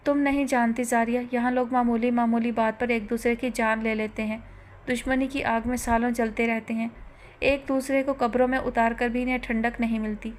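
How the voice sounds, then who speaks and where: A woman's voice: fairly high pitch, level tone, moderate pace, a little hiss or hum, natural voice. A woman voicing an earnest, protective young man in an audiobook, speaking reassuringly.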